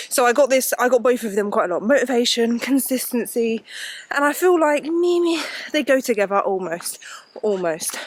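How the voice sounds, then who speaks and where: A woman's voice: fairly high pitch, no room sound. A woman vlogging while walking uphill outdoors, chatty and rambling, full of fillers, audibly out of breath. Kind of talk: casual chat while walking. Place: outdoors on a hill walk.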